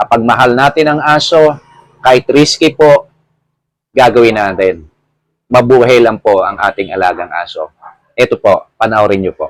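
Heard in a dry, close sound with no echo, a man speaks at medium pitch with lively intonation. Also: moderate pace. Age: 60s. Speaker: vlogger and automotive painter. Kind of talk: tutorial. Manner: polite, uses po; halting with fillers.

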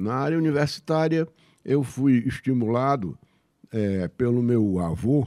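A man with a dark, mellow tone speaks very slowly but with lively intonation on a very clean recording with a silent background. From Fortaleza, Ceará, Brazil. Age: old. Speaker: retired professor and poet. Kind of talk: interview.

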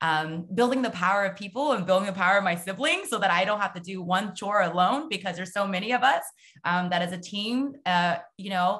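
A woman speaks at a fairly quick pace with a bright, sharp tone. Her pitch varies in an ordinary way. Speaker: council guest. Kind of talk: interview answer. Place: home room. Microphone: video call.

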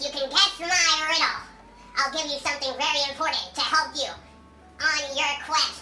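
Clear music plays in the background behind a squeaky, high-pitched, put-on character voice. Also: moderate pace. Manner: playful, riddling.

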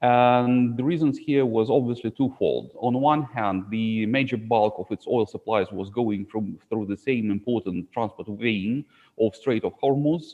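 A man talks at a fairly slow pace with hardly any pauses. His pitch varies in an ordinary way. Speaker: energy researcher. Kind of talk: conference presentation. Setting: video call. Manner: soft-spoken. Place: home room. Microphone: earbuds.

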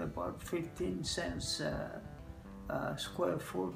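Clear music plays behind the speaker. A man talks at a very slow pace. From Hawaii. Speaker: war veteran. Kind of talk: interview answer. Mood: warm reminiscing. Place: home room. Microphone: phone near.

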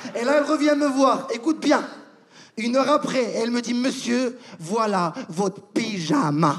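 A man speaks at a fairly slow pace. His pitch is extremely high, with lively intonation. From Casablanca, Morocco; Morocco. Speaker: stand-up comedian. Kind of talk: stand-up. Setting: stage with audience. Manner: animated. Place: stage. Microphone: handheld.

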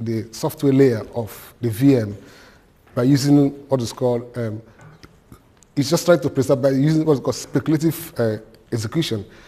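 Somewhat breathy man's voice, medium-pitched with a dark, mellow tone, ordinary pitch variation and a moderate pace. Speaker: PhD student; conference presenter. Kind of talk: conference talk. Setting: lecture room with audience. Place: classroom.

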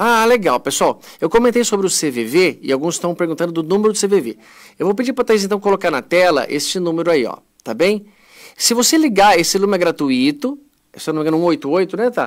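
A man talks at a fairly quick pace in a high pitch, with very wide pitch swings. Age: 40s. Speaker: spiritist lecturer. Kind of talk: lecture. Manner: warm, gentle.

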